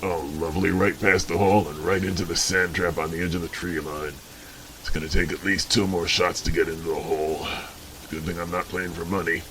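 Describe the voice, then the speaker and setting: Deep-voiced, easygoing male golfer talking to himself, played by an actor; audio drama, birds and light noise. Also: level tone, a little fast, a bit bright, rough recording. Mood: wry, focused.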